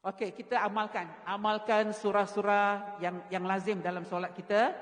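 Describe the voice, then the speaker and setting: A woman religious teacher, giving a women's lecture in a mosque and telling stories with lively sound mimicry. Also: mid-range voice, normal speed. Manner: animated storytelling, mimics sounds. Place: mosque hall. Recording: reverberant mosque hall.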